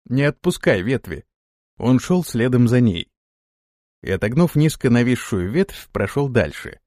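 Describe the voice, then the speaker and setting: Give me an expressive male narrator reading a fantasy story, dry and close. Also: mid-range voice, measured pace, no echo. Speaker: audiobook narrator. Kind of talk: scripted narration.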